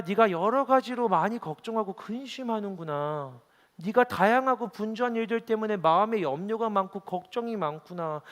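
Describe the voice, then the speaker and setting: Male pastor doing a tender, consoling Jesus: slow, soft, high-ish, in a reverberant hall. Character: gentle, tender male Jesus addressing a follower.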